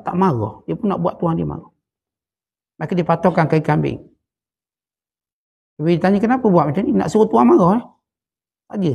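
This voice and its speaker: A man's voice: on the high side, creaky, mellow, breathy edge. A man with a Malaysian Malay accent teaching a Sufi text, telling stories and acting out quotes with rising emphasis. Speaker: religious teacher. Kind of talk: Sufi study-circle lecture.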